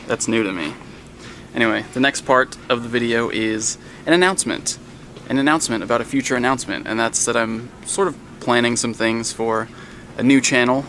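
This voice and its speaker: A vlogger hosting his own channel rambles casually to the camera, throwing in self-aware asides as he moves through stores and a car. His voice is medium-pitched and a bit bright, and noisy ambience fills the background.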